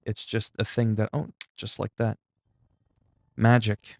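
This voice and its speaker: A man's voice: lowish voice, flat delivery, unhurried, no echo, clean studio sound. A man from Canada whose first language is French, chatting casually on a livestream in a self-deprecating, salty, freely swearing way. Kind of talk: casual rambling livestream chat.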